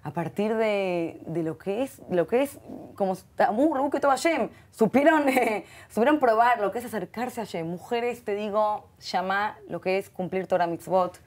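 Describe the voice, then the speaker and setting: A middle-aged woman with an Argentine Spanish accent, a guest in an interview who speaks in an expressive way, often repeating herself. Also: mid-range voice, moderate pace. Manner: warm and expressive, many repeated words and Hebrew terms. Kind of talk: heartfelt conversational interview.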